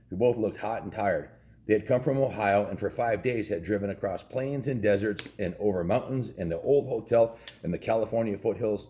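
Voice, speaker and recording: Hosting a casual read-aloud, this American man in his fifties speaks in a fairly low, warm voice and drops playful asides to viewers as he reads a children's book. A little hiss or hum runs underneath.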